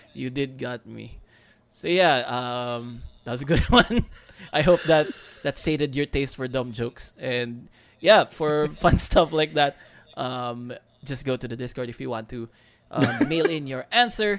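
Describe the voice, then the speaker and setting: An ordinary speaking voice from a man, with typical pitch movement. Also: medium pitch for a man, big swings in loudness. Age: 30s. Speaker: podcast co-host. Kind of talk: casual chat.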